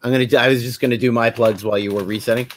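A man's voice: medium pitch, steady tone, racing, a little hiss or hum. A man hosting a casual podcast over a video call, chatting with guests in a wry, lightly joking way. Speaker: podcast host. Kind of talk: casual chat, introducing guests.

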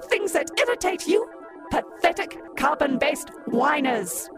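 A condescending robot pitchwoman, voiced by a woman from an old-time radio ad. She sings out her slogans slowly in a high, lilting voice and sneers at puny humans. Music plays behind her. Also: sing-song. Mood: haughty. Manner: mocking, sing-song sales pitch. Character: haughty female robot pitchwoman, scornful of humans. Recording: music bed under voice.

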